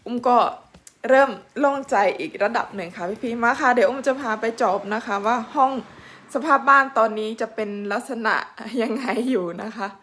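Woman vlogger, chatty and friendly, a little high-pitched, recorded from a few steps off the camera in a bare, echoing house. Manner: chatty and warm, addresses viewers as older siblings. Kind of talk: casual home-tour vlog. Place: indoors in a house under renovation. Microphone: camera mic. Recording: echoey room, distant from mic.

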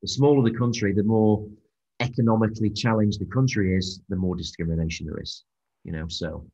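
A man's voice: on the low side, fairly even intonation, fairly quick, mellow, dull audio. A middle-aged man as an interview guest on a video call, telling personal stories casually with emphatic swearing. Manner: profane, emphatic. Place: indoors, plain room. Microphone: video call from a room.

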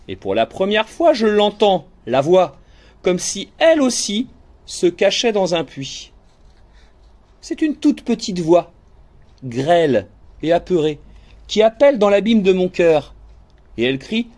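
Male audiobook reader, fairly high, very lively pitch, hushed dreamy narration. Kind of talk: scripted narration.

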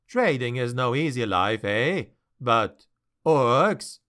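A man voicing an excitable male sea captain with a French accent and broken, emphatic English. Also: medium pitch, takes it slowly. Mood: persuasive.

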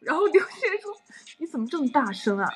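A woman's voice: high voice, big pitch swings, a little fast, fairly bright tone, faint music behind. A young adult woman chatting casually on a livestream and telling stories animatedly with frequent laughs.

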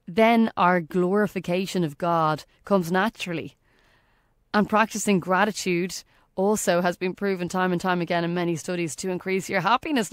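A woman's voice: fairly low pitch, smooth, dry recording, clean studio sound. An Irish woman hosting a faith podcast, reading a scripted reflection with earnest emphasis. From Ireland. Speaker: podcast host.

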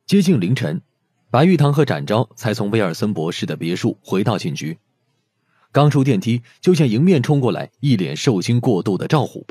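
Animated male audiobook narrator. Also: on the low side, normal speed, breathy edge, dry recording. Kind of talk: expressive scripted story narration. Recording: music behind the voice.

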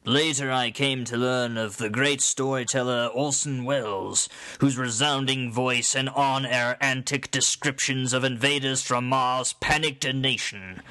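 A chatty young man in his twenties introduces his voice reel from a small home studio. His voice is bright and clear, close on a condenser mic. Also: mid-range voice, steady tone, a little slow. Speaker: voice actor. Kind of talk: demo reel narration. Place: small bedroom studio, indoors. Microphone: studio condenser mic, headphones.

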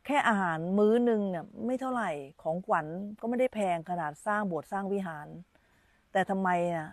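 A woman meditation teacher, animated and brisk in a mid-range voice, delivers a chatty dharma talk on a live stream with no room sound. She repeats her phrases and interacts with the children around her.

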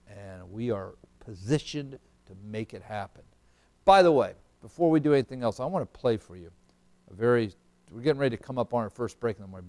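A middle-aged American man preaching to camera as a Christian broadcast host, in emphatic, deliberate phrases with pauses. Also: medium pitch, darkish tone, no echo. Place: furnished room indoors.

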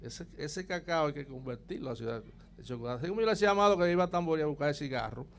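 A man's voice: a little high, animated, very fast, a little hiss or hum. A Dominican man in his sixties, a guest on an outdoor morning TV panel, talking proudly and emphatically into a handheld mic. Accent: Dominican Spanish. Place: outdoor street set with murals.

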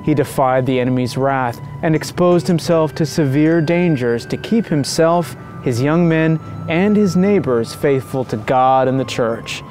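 A man narrating a devotional story in an earnest, measured way as the host of his channel. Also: fairly high pitch, darkish tone, faint music behind.

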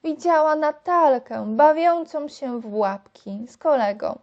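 A woman reading a children's story aloud as storyteller, in a slow, clear storytelling manner. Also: high-pitched, expressive, a little mellow, dull audio.

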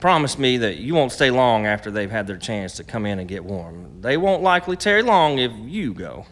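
In a period radio drama, a male actor voices a wary, stubborn, protective keeper of a riverside stand, speaking tersely in a dry, folksy way. His voice sits fairly low and a bit bright, very animated, at a normal speed.

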